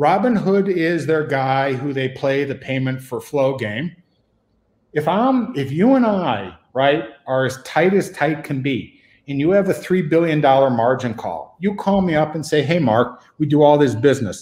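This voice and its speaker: Intonation is lively. The pace is fairly slow. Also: man, fairly high pitch for a man. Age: 60s. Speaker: veteran stock trader. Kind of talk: interview. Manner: animated. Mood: indignant, emphatic. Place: home room. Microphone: video call.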